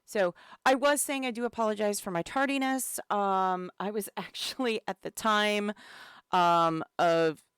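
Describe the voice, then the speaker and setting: Woman streamer, has a cold, chatty and relaxed, unhurried, smooth dry voice. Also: mid-range voice, no echo. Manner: chatty and relaxed, many fillers, greets chat. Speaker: community manager streaming a game event. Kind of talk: casual live-stream commentary.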